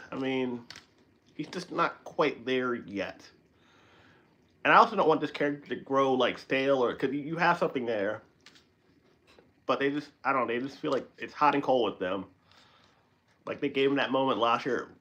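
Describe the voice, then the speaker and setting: A man hosting a live stream in casual chat, animated and rambling, often correcting himself and laughing. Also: mid-range voice, fairly quick, dull audio.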